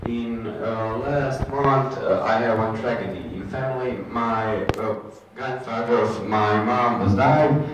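Young man, slow hesitant speech, broken English, echoey conference room, distant. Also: mid-range voice, noisy background. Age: young adult. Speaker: workshop participant. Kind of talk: halting personal story. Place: large hotel conference room. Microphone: far camera.

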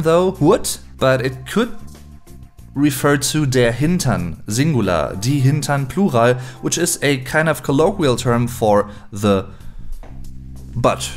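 Lively, unhurried German man thinking aloud. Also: mid-range voice. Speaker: language video host. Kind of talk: casual language lesson. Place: small room indoors.

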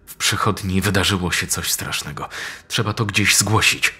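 A man's voice: low-pitched, steady tone, normal speed, sharp tone, husky, faint music behind, exaggerated voice. A male narrator voicing a frightened young woman who pleads in a shaken way. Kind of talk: audiobook character voice.

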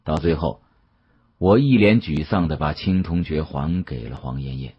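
A man narrating an audiobook as a dramatic storyteller, with an expressive, conversational delivery. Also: extremely low pitch, moderate pace, husky, lo-fi sound.

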